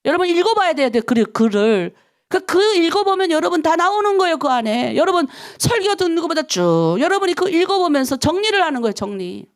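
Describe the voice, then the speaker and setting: A woman's voice: very high-pitched, very animated, brisk. A middle-aged woman pastor from North Korea giving a dawn prayer sermon, emphatic and full of rhetorical questions to the congregation.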